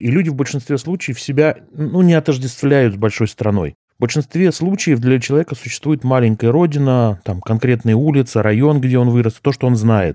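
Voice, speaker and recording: On a very clean recording with a silent background and a dry, close sound with no echo, a man speaks at a moderate pace in a dark, mellow tone. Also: medium pitch for a man, ordinary pitch variation. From Russia, small district town. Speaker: linguist, dialectologist. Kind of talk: casual chat.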